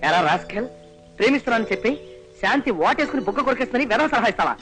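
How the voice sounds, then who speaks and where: An excitable lovestruck young man. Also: very high voice, over music, rough recording. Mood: indignant. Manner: theatrical, rapid and exclamatory. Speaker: young suitor in a film comedy. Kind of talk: 1990s Telugu film comedy acting.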